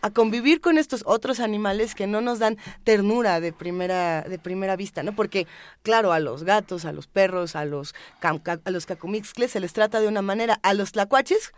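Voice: medium pitch, moderate pace. A host asking long, thoughtful questions full of everyday examples in a casual interview.

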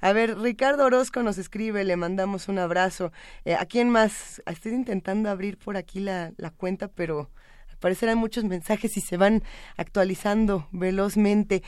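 A woman hosts a live radio program, her voice smooth and clear. She chats easily and reads listeners' messages aloud, recorded close and dry with no room sound. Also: medium pitch, moderate pace, a little mellow, no room sound. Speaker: radio host.

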